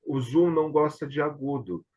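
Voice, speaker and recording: A Brazilian host and theatre director leads a casual online discussion in a fairly high, slightly mellow voice at a moderate pace. He explains things and regularly checks for agreement using tag questions. Audio comes through a dull, lo-fi video call.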